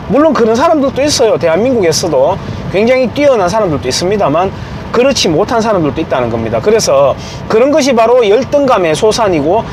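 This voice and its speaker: High-pitched, animated man. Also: background noise. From Gyeongju, South Korea. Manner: emphatic, acts out quoted remarks. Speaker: commentator. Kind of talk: informal opinion monologue.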